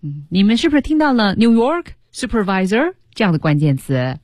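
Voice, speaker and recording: A woman's voice: medium pitch, very animated, fairly quick, background noise. Chatty woman co-hosting a radio lesson. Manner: chatty, agreeing, sums up points. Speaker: radio co-host. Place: radio studio.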